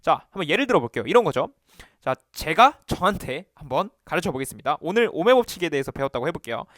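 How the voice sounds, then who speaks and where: An animated man delivers a study lesson straight to the viewer, his fairly high voice bouncing up and down. He acts out quizzing himself aloud, and the sound is close and dry. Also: fast, dry recording. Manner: animated, talks to himself to demonstrate. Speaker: exam study coach. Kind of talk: lively video lesson to camera.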